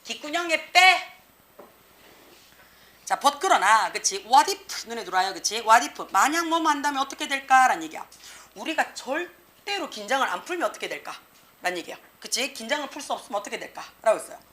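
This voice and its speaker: A woman English teacher giving an exam prep lecture, lively and slangy, peppering students with rhetorical questions. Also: a little high, brisk. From South Korea.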